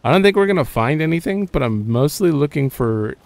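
Gravelly-voiced man playing a horror game. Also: on the high side, expressive, brisk, a little mellow, no room sound. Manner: rambling, thinking aloud. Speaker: gaming channel host. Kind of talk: casual let's-play commentary.

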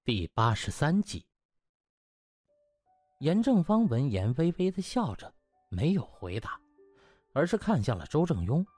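A man narrating a comic novel as scripted storytelling, in an animated way. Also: a little high, measured pace, long pauses, husky, dry recording, faint music behind. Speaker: audiobook narrator.

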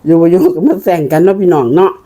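Mellow older Isan woman, mukbang eating chat. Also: on the low side, fairly even intonation, racing. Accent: Isan, northeastern Thai. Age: older, a grandmother. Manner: folksy, repeatedly addressing viewers as kin. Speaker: mukbang host. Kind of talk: mukbang eating, casual chat to viewers while eating.

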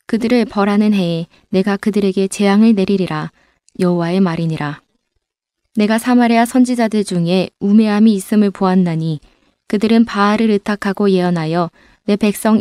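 A woman reading scripture aloud in a measured, even recitation, recorded as a studio voice-over. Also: mid-range voice, dry recording. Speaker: scripture reader. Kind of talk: steady scripted Bible reading.

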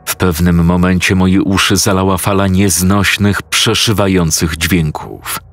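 A man narrating a scripted horror story in a tense, measured voice, close to a studio mic. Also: deep voice, little pitch movement, no room sound.

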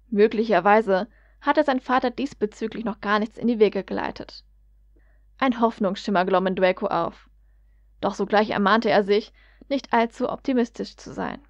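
A woman reading a fan fiction story aloud in a steady, even narrating manner. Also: mid-range voice, moderate pace, no echo. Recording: dull, dry lo-fi recording.

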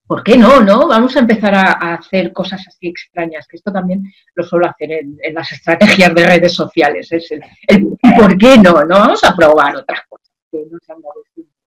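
A woman, a guest in a casual interview. She talks in an animated, chatty way with lots of fillers, over a video call from a home office. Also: lowish voice, fairly quick, low-quality recording. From Madrid, Spain. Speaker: guest, social selling expert. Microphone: video call webcam.

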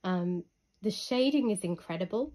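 A young woman with a husky voice from illness, giving a chatty, unhurried review with frequent ums. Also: medium pitch, lively intonation, warm tone. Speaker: hobby reviewer. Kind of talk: casual product review voice-over.

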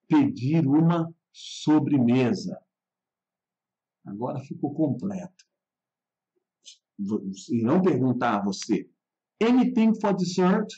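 A man teaching English in a live online lesson, speaking to viewers in a friendly way and slowing down to say model phrases clearly. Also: mid-range voice, warm tone, lo-fi sound. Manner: friendly, addresses viewers directly.

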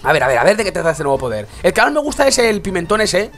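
A young man, commenting on a mobile game he is playing, congested and sore-throated from a cold, swinging between low muttering and excited outbursts. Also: very fast, soft background music. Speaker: gaming YouTuber. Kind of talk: let's play commentary.

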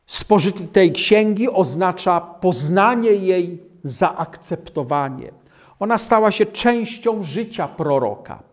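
An older man in his sixties, standing at a lectern in a small hall, preaching a Bible sermon and reading scripture aloud in a measured, emphatic way. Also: high-pitched, lively intonation. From Poland. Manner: measured, emphatic preaching, slowing on key phrases. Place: small hall with world maps behind a lectern.

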